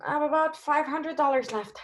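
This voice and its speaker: A woman acting a high-voiced, pleading femme fatale. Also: brisk, lightly acted. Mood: anxious, evasive. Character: slick, pleading femme fatale, anxious and evasive. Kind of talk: 1940s radio noir acting.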